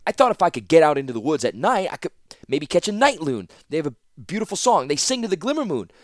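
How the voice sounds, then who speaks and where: A man voicing an impulsive young male student, shouting and stammering in a rush. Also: sits high, very animated, no echo, clean studio sound, voice pushed up. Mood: eager. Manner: shouting, breathless rushing, stammering.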